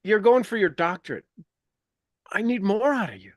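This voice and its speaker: A man's voice: high-pitched, animated, moderate pace, dry recording, muffled recording. A man hosting an informal motivational group coaching talk, emphatic and fond of repeating phrases for effect. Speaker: host and coach leading a group call.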